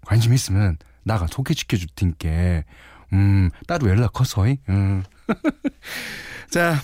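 A man hosting a radio show, relaxed and chatty, often chuckling as he reads listener messages and narrates a story. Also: low voice, slow pace, no room sound, studio quality. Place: radio studio. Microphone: studio microphone.

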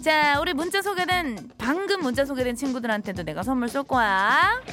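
A cheerful woman in her thirties hosts a live radio show, reading listener texts and teasing fans in the studio. Her voice sits high and swings widely in pitch. Music plays steadily beneath her talk. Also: animated, a little fast. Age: 30s.

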